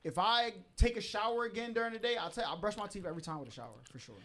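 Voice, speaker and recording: A man co-hosting a podcast, asking questions in a quick, playful way. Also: sits high, sharp tone, slight background noise. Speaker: podcast co-host. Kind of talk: casual chat.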